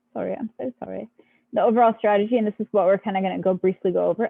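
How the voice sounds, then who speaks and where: This woman speaks at a very fast pace. Her pitch sits in the medium range. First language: not English. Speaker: career changer sharing job search tips. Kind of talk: group discussion. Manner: hesitant, many fillers.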